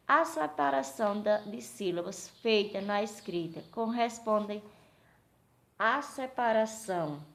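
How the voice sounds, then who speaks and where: A woman teacher with a Brazilian accent gives a recorded lesson for young children, slowly asking questions and answering them herself. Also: medium pitch, vocal fry. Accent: Brazilian Portuguese. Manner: slow, patient, asks questions and answers them.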